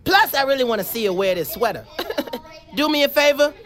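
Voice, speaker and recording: A smug, scheming male house cat, voiced by a woman, talking straight to the viewers with a lively, swinging pitch. Soft music plays behind him. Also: fairly quick. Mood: sly. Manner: smug, conspiratorial.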